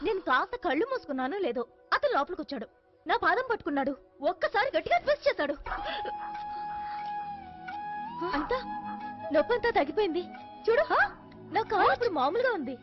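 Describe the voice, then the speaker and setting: A defiant young camper, high lively voice, fast talk, dull film dub. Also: female voice, soft background music. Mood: insistent. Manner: insistent, quick, defiant. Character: stubborn young woman camper.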